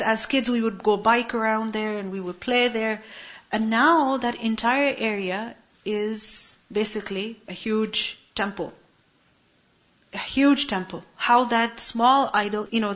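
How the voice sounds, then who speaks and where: A woman's voice: medium pitch, fairly bright tone. A woman teaching a Quran lesson to a class, explaining Arabic words one by one and posing rhetorical questions to her students. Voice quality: asks rhetorical questions, translates Arabic word by word. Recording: muffled lo-fi recording.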